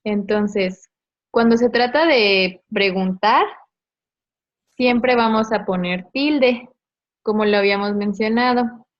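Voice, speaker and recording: A woman's voice: medium pitch, slow, muffled recording. A woman teacher, patiently explaining a grammar lesson step by step and checking in with tag questions. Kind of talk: online class explanation.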